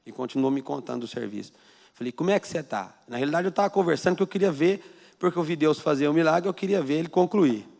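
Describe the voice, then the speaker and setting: Male Brazilian pastor, conversational sermon with rhetorical questions; somewhat high, gravelly voice in a reverberant church. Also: quick pace, a little mellow. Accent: Brazilian Portuguese. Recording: long church-hall reverb.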